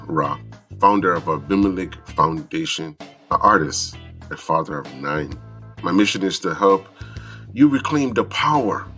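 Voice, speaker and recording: Very deep-voiced stuffy man. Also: sharp tone. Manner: earnest, preachy, slow deliberate lists. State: stuffy from the flu. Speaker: podcast host. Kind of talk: reflective monologue to fathers.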